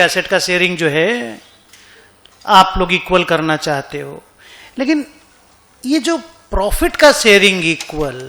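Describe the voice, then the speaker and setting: A male accounting teacher lectures in a relaxed, conversational way and keeps checking whether his students follow. His voice sits high and comes across bright and forceful. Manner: conversational, asks students questions often. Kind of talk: classroom lecture. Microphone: online class recording.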